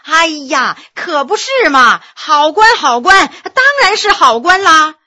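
A woman voicing a chatty, flattering middle-aged innkeeper woman who gushes and talks fast. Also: high voice, exaggerated voice. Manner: gushing and fast-talking.

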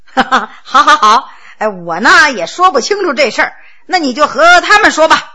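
A woman's voice: sits high, big pitch swings, unhurried, bright, forceful tone, full character voice. A woman storyteller voicing a younger Qing prince, a grinning schemer who teases and mocks his elder brother. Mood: teasing. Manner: brash, teasing and mocking.

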